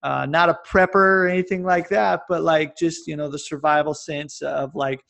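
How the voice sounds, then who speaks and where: A man's voice: a little high, steady tone, moderate pace, creaky, a bit bright. A man in his forties from Kansas, chatting as a podcast guest in a loose, rambling way. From Kansas, USA. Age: 40s. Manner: rambling, self-described babbling. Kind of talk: casual conversation.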